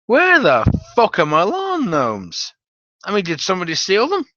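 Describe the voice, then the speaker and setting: A man's voice: high-pitched, wildly swooping pitch, normal speed, bright, forceful tone, pitched above the performer's own voice, heavily acted. A man voicing a rambling, profane, eccentric older stoner war veteran in a story reading. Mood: alarmed, indignant. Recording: dull, roomy home recording.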